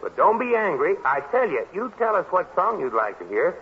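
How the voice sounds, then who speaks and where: A man's voice: high-pitched, big pitch swings, normal speed. A man hosting a children's radio show in a cheerful, folksy, coaxing way, on an old 1950 broadcast. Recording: scratchy narrow 1950 radio broadcast with hiss.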